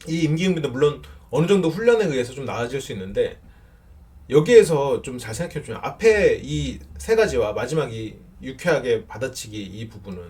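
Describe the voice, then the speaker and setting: Middle-aged man, counselor, casual advice chat, lively pitch, fairly high voice, laughs a lot. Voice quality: fairly loud voice. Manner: animated, laughs often, acts out short example lines. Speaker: counselor answering viewer questions.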